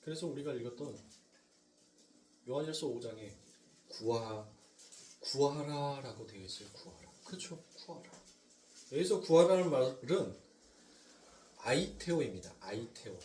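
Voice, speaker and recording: A male pastor with a Jeolla accent preaching a sermon, swinging from loud emphasis to near whispers and slowing down on key points. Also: medium pitch, expressive, reverberant, far from the mic, slight background noise. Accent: Jeolla Korean. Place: church sanctuary.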